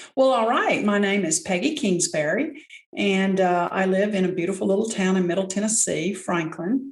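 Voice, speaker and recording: A woman speaks with a Southern US accent at a medium pitch. Her intonation is lively. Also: moderate pace. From US South, North Georgia. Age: 60s. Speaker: former police officer, business owner. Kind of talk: interview testimony.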